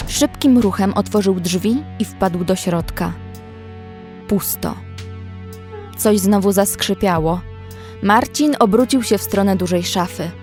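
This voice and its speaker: An actress playing a young woman who survives an apocalypse, narrating in a measured, literary way as an anxious observer. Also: medium pitch, darkish tone, natural voice. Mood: measured, uneasy. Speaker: narrator and actress in audio drama. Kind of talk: scripted first-person horror story narration. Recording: music under the voice.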